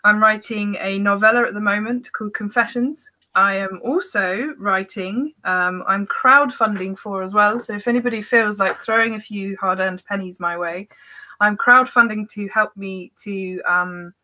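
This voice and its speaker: A woman's voice: mid-range voice, moderate pace, pushed and bright, rough recording. A woman speaking as a guest author in casual, informal, self-deprecating podcast conversation.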